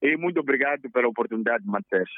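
A man's voice: medium pitch, expressive, fast, dry recording, phone-quality sound. A man chatting on a radio show, upbeat and laughing easily, with hesitant restarts. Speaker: radio guest. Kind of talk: casual radio chat.

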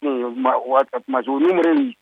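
A man calling in to a radio show, speaking haltingly and restarting words. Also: medium pitch, wildly swooping pitch, gravelly, husky, no room sound. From Mozambique. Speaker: radio caller. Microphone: telephone. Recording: tinny phone line.

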